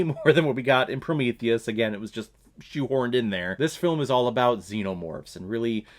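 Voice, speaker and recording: A young man hosting his own movie review channel, talking casually in a blunt, sarcastic way and swearing now and then. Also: medium pitch.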